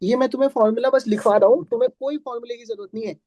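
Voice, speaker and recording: A male teacher lecturing a class on math, his voice mellow and warm in tone. He keeps posing questions and answering them himself, joking with his students. The sound is dry and close. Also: extremely high pitch, steady tone, rapid-fire, no echo, dull audio.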